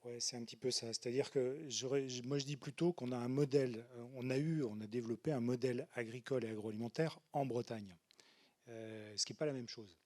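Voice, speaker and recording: A male panelist explains his point analytically. He restarts often and repeats words as he builds his argument, in an even middle voice. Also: medium pitch, brisk. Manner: analytical, repeats himself while searching for words. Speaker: panelist, industry director. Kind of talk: panel discussion. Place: conference hall.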